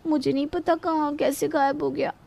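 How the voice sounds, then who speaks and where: Woman playing a timid young daughter-in-law, high-pitched, fearful, pleading. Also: flat delivery, moderate pace, creaky, darkish tone.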